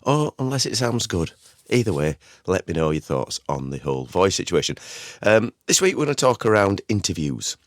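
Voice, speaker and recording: A middle-aged man hosts an informal solo podcast in a deep voice with a slight croak. He talks conversationally and rambles, circling back over his phrases. The sound is dry, with no room echo. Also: sing-song, normal speed. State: recovering from a croaky voice. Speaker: podcast host.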